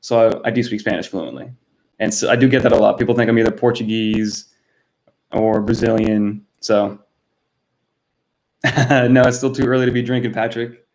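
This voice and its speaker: Here a young man from Miami, Florida, USA, chats casually through his first live stream and answers viewers by name. His voice is lowish and a little mellow, with fairly even intonation, a moderate pace, and frequent pauses. The low-quality recording comes from a built-in camera mic in his cluttered home room.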